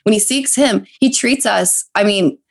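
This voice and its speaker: A woman's voice: medium pitch, a little slow, vocal fry, husky. Earnest woman sharing her faith story. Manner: earnest, heartfelt, restarts phrases. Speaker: podcast guest. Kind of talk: faith-based conversational sharing.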